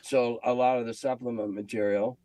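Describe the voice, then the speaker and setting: A man's voice: medium pitch, level tone, brisk, dark tone, no room sound. An older American man reminiscing in an interview in a blunt, salty, opinionated way. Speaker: veteran game editor being interviewed.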